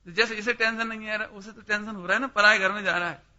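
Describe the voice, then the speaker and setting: Guy teaching a scripture class, really bright piercing voice, keeps quizzing people by name, muffled lo-fi audio. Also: high-pitched, fairly even intonation, fast talker. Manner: questioning listeners by name, emphatic. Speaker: religious teacher. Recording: dull lo-fi recording.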